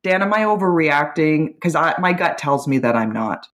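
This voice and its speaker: A woman's voice: low-pitched, animated, moderate pace, a bit bright. A woman caller giving a candid, conversational personal account to an advice show host.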